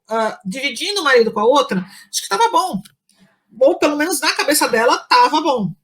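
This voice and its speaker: A woman's voice: a little high, a bit bright. A woman, a psychology professor, telling a story in a casual interview, chatty, full of fillers and restarts, acting out what people said. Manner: chatty, many fillers and restarts, acts out quoted speech.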